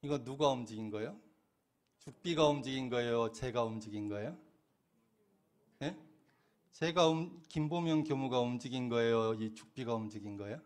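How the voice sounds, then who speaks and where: A middle-aged man giving a sermon as a minister. He keeps putting questions to the listeners, then answers them himself with a laugh now and then. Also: mid-range voice. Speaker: Won Buddhist minister.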